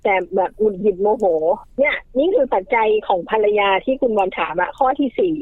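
A woman guest giving family advice in casual talk, animated, acting out quoted lines as she explains. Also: mid-range voice, a little fast, no echo. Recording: tinny phone-like line, dry.

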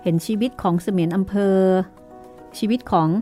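A woman's voice: medium pitch, normal speed, dark tone, faint music behind. A woman hosting a chatty podcast, speaking through a face mask. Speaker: podcast host. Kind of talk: scripted-sounding but chatty show hosting.

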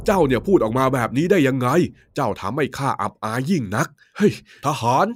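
A man's voice: mid-range voice, lively intonation, fast talker, slight background noise, natural voice. A man voicing a stern king in a children's story, commanding and scolding, a bit distant. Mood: angry. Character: stern male king, easily swayed.

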